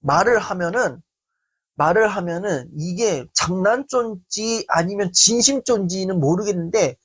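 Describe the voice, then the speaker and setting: A man giving a self-esteem lecture and answering a viewer's letter. He speaks in an animated way and acts out quoted speech. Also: high voice, unhurried, slightly rough. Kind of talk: talk-show style self-esteem lecture.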